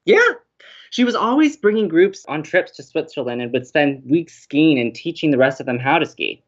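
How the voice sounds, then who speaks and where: A woman's voice: sits low, big pitch swings, moderate pace, muffled recording. A woman playing an upbeat, romantic young college radio co-host in an audio comedy, with an effusive, earnest way of talking. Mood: earnest, informative.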